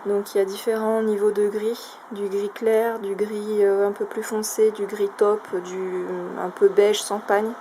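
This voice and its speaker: A woman's voice: medium pitch, flat delivery, measured pace, hardly any pauses, dark tone. A woman casually showing a craft shopping haul, talking in a chatty, hesitant way with many fillers. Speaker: craft vlogger. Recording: noisy home recording.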